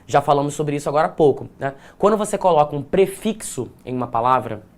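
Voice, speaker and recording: Energetic Brazilian man teaching a class. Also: fairly high pitch, fast talker. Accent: Brazilian Portuguese. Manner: energetic, repeats phrases, checks in with "tá?". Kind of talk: online exam-prep lesson.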